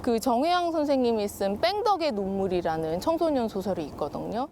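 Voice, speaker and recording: High, animated woman explaining things expressively. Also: a little fast, a little hiss or hum. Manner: expressive, explains with rhetorical questions and acted-out quotes. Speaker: guest children's literature author. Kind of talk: explanatory talk-show interview.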